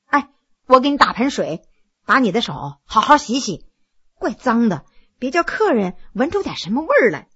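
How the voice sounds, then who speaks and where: A woman voicing a sharp-tongued young concubine who scolds and chides, in a told story. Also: a little high, big pitch swings, moderate pace, husky, dry recording, muffled recording, exaggerated voice. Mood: chiding. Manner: scolding, chiding.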